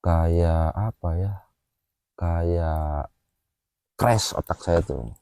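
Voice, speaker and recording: A man recounts a personal experience in a relaxed chat. His voice is lowish and mellow, and it swings widely in pitch. The sound is dry and close. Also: extremely slow, clean tone, no room sound. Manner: animated, with frequent filler "ah" and "A", acts out gestures while telling. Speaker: guest telling his experience. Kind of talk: casual storytelling chat.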